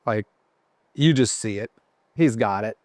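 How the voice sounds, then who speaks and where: A man's voice: fairly low pitch, unhurried, darkish tone, no room sound. A man guesting on a podcast, telling rambling, self-deprecating stories about his career with lots of fillers. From Ohio. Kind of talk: casual podcast chat.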